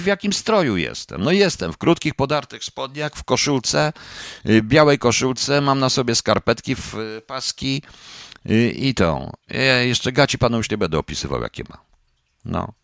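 A man's voice: medium pitch, a bit bright, dry recording, studio quality. A middle-aged man hosting a live online broadcast, reading chat comments aloud and challenging them with repeated pointed questions and the odd curse.

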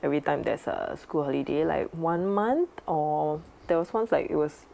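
Female podcast co-host, Singaporean accent, casual Singlish with lah and lor, dark creaky tone. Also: low-pitched, lively intonation, moderate pace. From Myanmar. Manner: colloquial Singlish with particles like lah, lor, mah. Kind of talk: casual conversational podcast chat.

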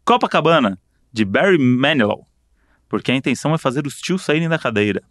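Brief: male co-host, mid pitch, teasing and jokey, dry close sound. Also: expressive, a little fast, no echo. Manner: playful, joking, teasing. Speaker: podcast co-host. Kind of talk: casual chat, reading quiz options.

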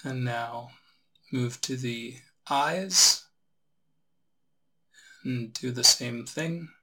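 A man guiding a relaxation meditation as a teacher, giving unhurried instructions with long pauses. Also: medium pitch, bright, forceful tone.

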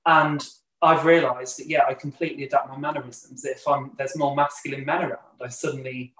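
A man hosting a podcast interview, chatting casually and relaxed, laughing now and then. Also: mid-range voice, fairly quick, reverberant, low-quality recording. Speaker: podcast host.

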